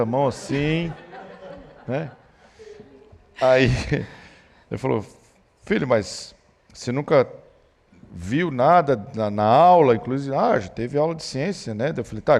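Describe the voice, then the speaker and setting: A man's voice: medium pitch, vocal fry. A man, a pastor telling a family story in a church talk on parenting. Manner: storytelling, animated when quoting his son.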